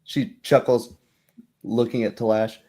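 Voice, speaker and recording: A man's voice: medium pitch, fairly even intonation, a little slow, warm tone, a little hiss or hum. A man narrating a tabletop roleplay game as the game master.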